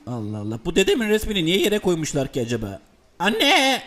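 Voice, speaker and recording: A man's voice: sits high, huge pitch swings, brisk, a bit bright, full character voice. A man voicing a sly, grumbling male house cat who whines and mocks. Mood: whiny. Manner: grumbling, whiny, mocking. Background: music.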